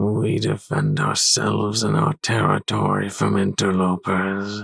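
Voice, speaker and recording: Putting on a character voice, a man growls in a raspy tone at a fairly slow pace. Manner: growling, threatening.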